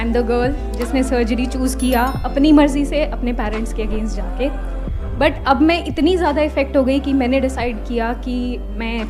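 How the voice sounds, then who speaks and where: A woman from the audience earnestly asking the speaker a question, mixing Hindi with English. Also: high-pitched.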